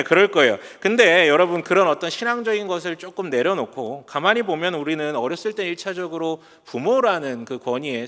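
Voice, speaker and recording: A man's voice: a little high, a bit bright. A man in his forties, a pastor giving a chatty, self-deprecating sermon and telling stories with humor. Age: 40s. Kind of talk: conversational sermon. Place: church sanctuary. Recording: long hall reverb from a church sanctuary.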